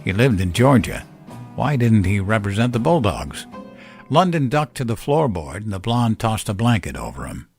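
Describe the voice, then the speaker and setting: A man's voice: on the low side, big pitch swings, moderate pace, a little mellow, slightly rough. A man reading a scripted work of fiction as narrator. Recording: roomy echo, faint music bed.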